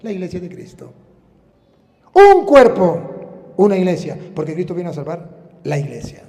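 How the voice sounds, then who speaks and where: A man's voice: fairly high pitch, fast, creaky, dark tone. A man with a Venezuelan accent preaching as a Catholic priest, emphatic and declamatory, drawing out key phrases. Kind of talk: sermon. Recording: echoing hall with long reverb.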